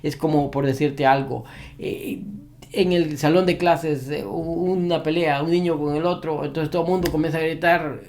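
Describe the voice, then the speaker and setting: A man's voice: on the high side, fairly even intonation, moderate pace, a little mellow, slight background noise. A man who trains dogs giving an advice monologue to camera, repeating his key points with emphasis. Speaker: dog behavior trainer.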